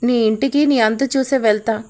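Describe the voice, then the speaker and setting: A woman voicing a furious young man who shouts rough threats in an audio story. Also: extremely high pitch, fairly even intonation, normal speed. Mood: enraged.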